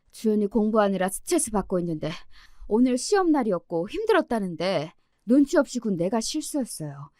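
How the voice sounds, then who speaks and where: A woman voicing a patient middle-aged mother who talks softly and coaxingly. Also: a little high, no room sound, clean studio sound. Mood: firm protective. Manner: soft, coaxing, caring.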